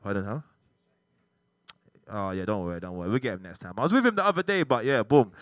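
A man's voice: lowish voice, very animated, fast talker, no echo. A man with a London roadman accent hosting a radio interview in slangy, casual hype talk, repeating phrases for emphasis. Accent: London roadman, urban slang. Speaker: radio show host.

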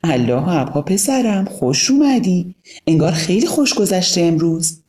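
A woman voicing a cheerful, gentle mother in an audio storybook, speaking with a smile. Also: lowish voice, expressive, lightly acted. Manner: warm and smiling.

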